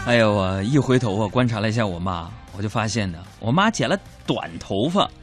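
Lively joking male comic storyteller. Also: on the low side, a little fast, soft background music. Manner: chatty, joking, mock-grumbling. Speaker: comedy show host.

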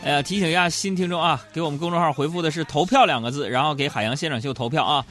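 A man hosting a radio show, telling self-mocking comic stories in an animated way, recorded in a studio. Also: on the high side, racing, soft background music. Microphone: studio microphone.

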